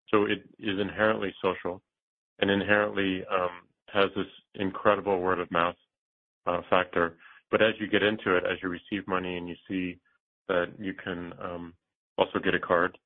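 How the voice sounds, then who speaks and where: A man with a very low voice speaks over a narrow phone-like line. He answers as a company executive, explaining in a halting, thoughtful way and pausing mid-phrase. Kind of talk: earnings call answers, explanatory. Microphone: conference call line.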